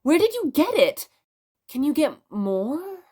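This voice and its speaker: A woman's voice: high-pitched, very animated, slow pace, darkish tone, pitched above the performer's own voice, full character voice. A woman voicing an eager, wide-eyed young girl in a storybook narration. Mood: stunned, eager.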